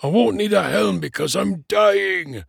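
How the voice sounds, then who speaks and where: A man voicing an old male dwarf from a fantasy storybook, weak and croaking, irritable and full of self-pity. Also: on the high side, slow, no echo, clean studio sound, pitched above the performer's own voice, full character voice. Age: older.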